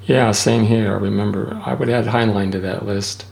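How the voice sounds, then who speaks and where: Deep, heavily gravelly male interviewer. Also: fairly even intonation, moderate pace, a little mellow. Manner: short, curious prompts. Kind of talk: curious interview questions.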